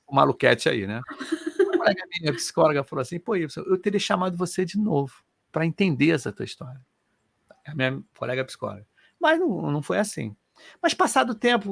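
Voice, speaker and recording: A middle-aged man from Rio de Janeiro, telling personal stories in an animated, colloquial way as co-host of a casual chat. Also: on the high side, gravelly, no echo. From Brazil. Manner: animated, colloquial, emotional storyteller.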